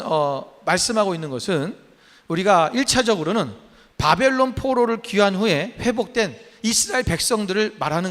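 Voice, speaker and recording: A pastor in his fifties preaches to his congregation with a high, bright voice. His pitch swings widely and he keeps firing questions at the listeners. The sound rings with a long church-hall reverb. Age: 50s. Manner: emphatic, asks the congregation many questions. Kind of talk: sermon. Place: church sanctuary.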